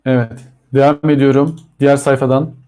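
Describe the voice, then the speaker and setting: A man with a Turkish accent teaching a live online English lesson to children, drawing out model phrases slowly. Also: medium pitch, flat delivery, warm tone.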